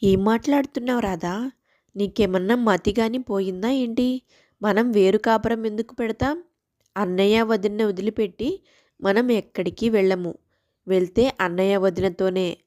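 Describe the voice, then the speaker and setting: A woman's voice: mid-range voice, moderate pace, a little mellow, voice pushed down, lightly acted. A woman voicing a firm, loyal young husband in a family moral story, stern and insistent. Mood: indignant, firm. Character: firm, loyal young working husband scolding his wife.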